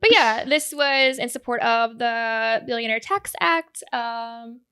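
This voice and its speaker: A woman's voice: fairly high pitch, slow pace, pushed and bright, smooth. A young woman from the United States co-hosting a podcast, smiley and giggly in casual chat. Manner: smiley, giggly, sweet-voiced. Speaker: podcast co-host.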